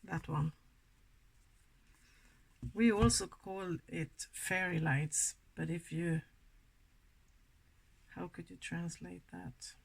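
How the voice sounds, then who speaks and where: A woman from Sweden with a Swedish accent, chatting softly and giggling through a makeup tutorial, sometimes dropping to a whisper. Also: fairly low pitch, steady tone, takes it slowly, creaky, pauses often, husky, rough recording. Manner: soft-spoken, giggly, often drops to a whisper. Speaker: makeup vlogger. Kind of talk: casual makeup tutorial chat.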